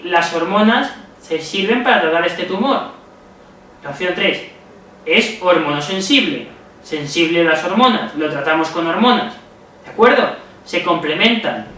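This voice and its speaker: A medical exam tutor with a Spain Spanish accent gives a methodical lesson on exam strategy, frequently checking in with his listeners. His voice sits high and sounds bright and forceful at a moderate pace. The room is very echoey, he's far from the mic, and there's faint noise.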